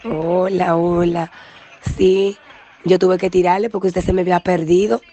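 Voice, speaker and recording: A man with a Dominican accent, chatting with a relative in a warm, affectionate, insistent way. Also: high-pitched, flat delivery, moderate pace, a little hiss or hum. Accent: Dominican Spanish. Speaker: relative on a call. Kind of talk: casual conversation.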